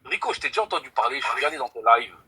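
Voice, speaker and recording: A man's voice: medium pitch, lively intonation, racing, sharp tone, breathy edge. A young man from France calling in to a live stream, speaking earnestly and emphatically and swearing by God to stress his points. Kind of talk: casual debate call.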